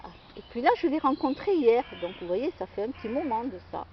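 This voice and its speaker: A woman with a fairly high voice rambles through a personal story, stopping often to hesitate and restart. The recording sounds dull and lo-fi, with faint outdoor noise and birdsong behind her. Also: very animated, fairly quick. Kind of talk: casual storytelling monologue.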